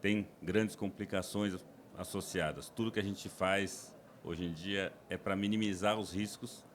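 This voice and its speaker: This podcast guest, an endoscopist from inland São Paulo state in Brazil, walks through procedures step by step in a low, steady, unhurried voice. He explains plainly but keeps restarting sentences and using fillers, while faint ambience and a little hiss or hum sit underneath.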